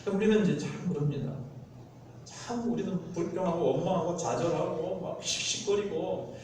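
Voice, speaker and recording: Echoey pastor preaching. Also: male voice, high-pitched, normal speed. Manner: lively, acts out everyday complaints. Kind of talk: sermon. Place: church sanctuary. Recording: echoey church hall, mic at a distance, faint noise.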